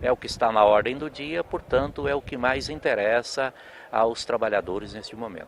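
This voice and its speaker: At a moderate pace, a man with a normal speaking voice talks with big swings in loudness. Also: medium pitch for a man, ordinary pitch variation. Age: 60s. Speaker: labor lawyer and union educator. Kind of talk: interview. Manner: formal.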